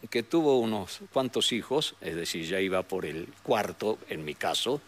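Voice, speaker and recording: An older man with a northwestern Argentine accent, telling memories as an interview guest in a rambling, halting way with frequent tag questions. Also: low-pitched, animated. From San Salvador de Jujuy, Argentina. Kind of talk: reminiscing in a conversational interview. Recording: noticeable background noise.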